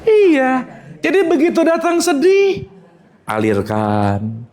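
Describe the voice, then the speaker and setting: A religious teacher gives a relaxed spiritual lesson to a live audience. His voice swings widely up and down as he keeps tossing questions at them. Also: high voice, a little slow. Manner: lively, keeps quizzing the audience.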